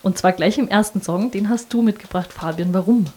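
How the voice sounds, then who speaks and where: A woman hosts a live radio music hour from the studio, talking casually and loosely with her guests. Her voice is mellow and dark, and she fills her pauses with small hesitations. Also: mid-range voice, slight background noise. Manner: chatty, many filler pauses. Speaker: radio host and coordinator.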